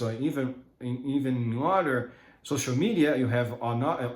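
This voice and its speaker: A man's voice: mid-range voice, roomy sound. A man from Brazil, a native Portuguese speaker with a countryside São Paulo accent, talks in a casual monologue full of hesitant restarts. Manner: hesitant, many restarts and fillers. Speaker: vlogger.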